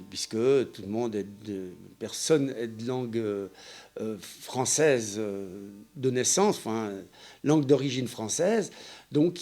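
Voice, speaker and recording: A man's voice: medium pitch, darkish tone. A man who directs an amateur theatre group, speaking in interview about the actors in a thoughtful, appreciative way. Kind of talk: interview commentary.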